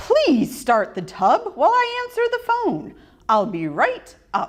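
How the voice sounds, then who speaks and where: Pitched high, a woman performs a put-on character voice. She talks at a fairly slow pace. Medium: read story. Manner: brisk, calling out from a distance.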